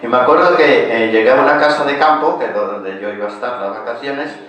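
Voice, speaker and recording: A man's voice: medium pitch, a little fast, a bit bright. An older man with a Castilian accent speaks to a room as an informal lecturer. His way of talking is colloquial and didactic, with questions thrown to the listeners. The sound is heavily reverberant and somewhat distant from the microphone. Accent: Castilian Spanish. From Spain, raised in Asturias. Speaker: lecturer and author on medicinal plants. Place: echoing lecture room at a cultural center. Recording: very echoey hall, distant microphone.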